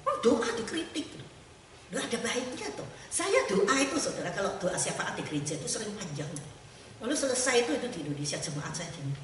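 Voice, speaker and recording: A woman evangelist preaching a sermon in a church, lively and warm with laughter, acting out the voices she quotes. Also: a little high, quick pace, slight background noise. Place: church sanctuary. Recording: echoey church hall, mic at a distance.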